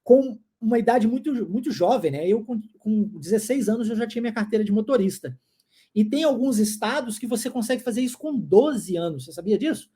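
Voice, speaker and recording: A man from New Jersey who teaches English, giving a pronunciation lesson. He repeats English words slowly for learners to copy and chuckles often. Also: high-pitched, lively intonation, warm tone, breathy edge. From United States, New Jersey.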